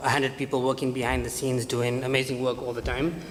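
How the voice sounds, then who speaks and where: Amid noticeable background noise and audible room echo, a man with a South African accent talks at a very fast pace in a medium pitch. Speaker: digital media executive. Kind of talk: conference talk. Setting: stage with audience.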